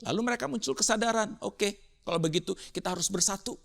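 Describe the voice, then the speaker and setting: Guy preaching a sermon, high forceful voice, really emphatic and repeats stuff for effect. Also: fast, gravelly. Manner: rhetorical, emphatic repetition with dramatic rises and drops in delivery.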